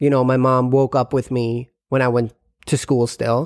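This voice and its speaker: Speaking at a moderate pace in a German accent, a man delivers his words in a monotone, flat intonation, captured in a very clean recording with a silent background and a dry, close sound with no echo. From Germany. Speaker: podcast co-host. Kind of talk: casual chat. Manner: calm.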